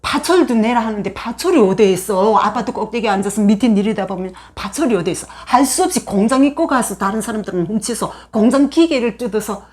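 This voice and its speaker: A woman's voice: on the high side, expressive, a little fast, hardly any pauses. A middle-aged woman from North Korea speaks with a North Korean accent, recounting memories in casual conversation. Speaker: guest, mother recounting her former life.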